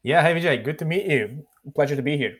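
A man's voice: on the high side, quick pace, husky. Reflective Swiss man, podcast guest. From Switzerland. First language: Bosnian. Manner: reflective, many fillers and restarts. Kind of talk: casual interview chat.

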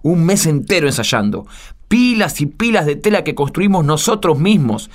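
Man acting as indignant young church volunteer, highish male voice, animated, emphatic, radio play. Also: normal speed. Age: young adult. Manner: reproachful, emphatic. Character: offended, earnest young parish volunteer, male. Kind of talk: Spanish-language radio drama.

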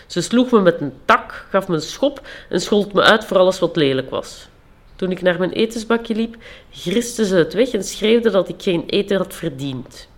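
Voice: mid-range voice, expressive, moderate pace, natural voice. A storyteller voicing a loyal male white dog who tells of being mistreated, in a raised, agitated manner. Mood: indignant.

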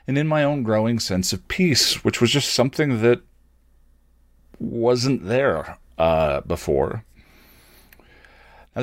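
A middle-aged man hosting an online show, speaking in a candid, halting, thoughtful personal monologue. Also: mid-range voice, no room sound, studio quality.

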